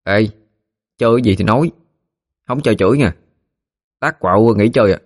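A man's voice: on the low side, brisk, pitched above the performer's own voice, lightly acted. A man voicing a blunt, easily irritated village boy in an audio ghost story. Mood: grumpy. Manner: grumpy, shouting.

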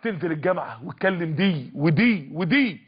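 A man's voice: fairly high pitch, expressive, normal speed, husky, highs cut off. A man with an Egyptian accent telling a sermon story with dramatic narration. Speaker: preacher.

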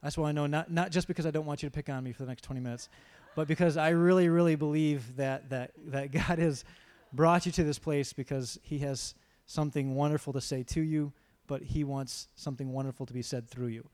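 Teasing pastor introducing a guest. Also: male voice, on the high side, fairly even intonation, a little fast, hardly any pauses. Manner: teasing, warm-hearted, rambling. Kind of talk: church introduction.

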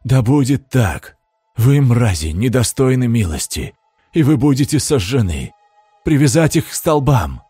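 A man voicing a cruel, weakened male master who speaks hoarsely and curtly. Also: medium pitch, sing-song, a little slow, warm tone, dry recording, soft background music, pitched above the performer's own voice, heavily acted. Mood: commanding. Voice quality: hoarse, strained.

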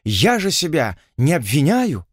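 A man's voice: on the high side, huge pitch swings, a little slow, slightly rough, dry recording, studio quality, full character voice. A man voicing a smug, lecherous aristocratic envoy who talks in a languid, self-satisfied and pompous way.

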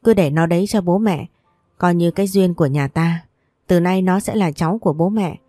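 A woman's voice: fairly low pitch, brisk, dark tone, no echo, clean studio sound, faint music behind, lightly acted. A woman voicing an older countrywoman, a fussing and affectionate grandmother who scolds her son.

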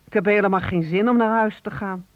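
A woman's voice: medium pitch, fairly even intonation, no room sound, close to an everyday voice. An actress playing a poor, grateful old woman chatting hesitantly in a radio play. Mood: cosy, chatty. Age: older. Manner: hesitant, halting, chuckling. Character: poor, grateful, chatty old mother-in-law at a phone booth. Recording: narrow telephone-like old radio recording.

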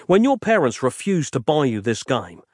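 A man voicing a gruff, bossy and sarcastic man who speaks in curt, growling lines. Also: medium pitch, big pitch swings, normal speed, a little mellow, no echo, clean studio sound.

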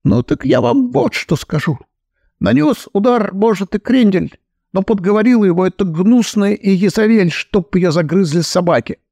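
A man's voice: sits high, lively intonation, normal speed, creaky, mellow, no room sound, clean studio sound, pitched above the performer's own voice, heavily acted. A man voicing a plump, tearful young man who wails and sobs out self-pitying complaints. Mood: agitated. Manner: wailing, sobbing complaints.

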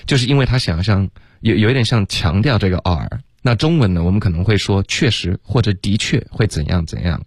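On a radio lesson, a man with a lowish voice teaches English pronunciation in a relaxed manner, slowly sounding out words. He frequently drops "OK" and "right" between explanations, and the audio has no echo.

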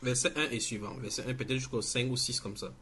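A man's voice: mid-range voice, background noise. Emphatic preacher, man. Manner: emphatic, halting with restarts. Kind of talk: church teaching.

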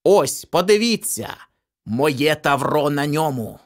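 A man's voice: on the high side, lively intonation, pitched above the performer's own voice. Man doing a cold old accountant. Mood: imperious. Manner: measured legalistic pronouncements. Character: tall gaunt old male accountant, coldly formal.

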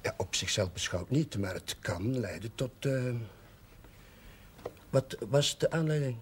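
An actor with a Netherlands Dutch accent playing a flustered, evasive but kindly Catholic chaplain in a television drama, speaking hesitantly and haltingly. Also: male voice, mid-range voice, animated, lightly acted. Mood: awkward, moralising. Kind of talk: naturalistic television drama acting. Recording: noisy old television soundtrack.

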